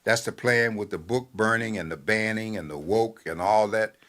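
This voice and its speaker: An older man with a fairly low voice, talking as a newspaper editor on a talk program. He speaks in a measured, halting way and fills his pauses with many uhs and ums. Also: fairly bright tone. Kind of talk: radio talk commentary.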